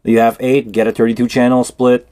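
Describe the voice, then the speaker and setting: A brisk man with a medium-pitched, warm, clear and resonant voice speaks with little pitch movement, and there's no echo. He's a Quebec-accented native French speaker hosting a laid-back tech livestream, rambling and thinking out loud while he works on a cable build.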